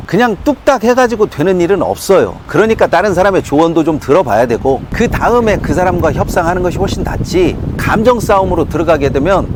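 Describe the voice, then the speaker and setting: A man's voice: on the high side, darkish tone, a little hiss or hum. A man giving opinionated explanatory advice, often posing rhetorical questions. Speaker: host, property auction adviser.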